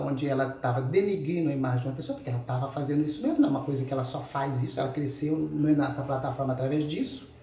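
Animated sarcastic man in echoey room. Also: a little high, distant mic. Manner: animated, sarcastic, peppers sentences with "tá?". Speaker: YouTube channel host. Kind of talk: ranting reply video.

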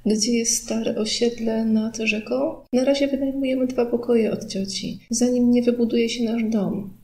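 A woman's voice: a little high, fairly even intonation, unhurried, roomy sound. A woman reading an audiobook voices a shy, easily startled girl who speaks hesitantly and keeps her voice down. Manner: hesitant, hushed.

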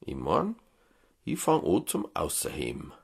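A man playing an easygoing Bavarian farmer and beekeeper in an audiobook, gravelly and husky. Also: low voice, huge pitch swings, unhurried, heavily acted. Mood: matter-of-fact. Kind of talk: dialect audiobook acting.

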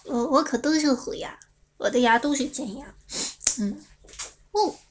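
A young woman with a high, light voice hosts a relaxed fan livestream. She talks at an unhurried pace, teasing and giggling as she reads comments aloud. A faint hiss sits under the phone recording. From China. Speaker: idol livestream host. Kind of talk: casual livestream chat with fans.

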